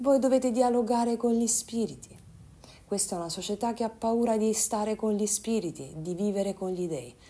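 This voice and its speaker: Her voice is fairly high-pitched yet dark and mellow. This woman speaks in a calm, soothing tone. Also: ordinary pitch variation. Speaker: holistic coach and tarot reader. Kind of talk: guided meditation. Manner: slow, soft, calm and soothing; warm, intimate, addressing viewers affectionately.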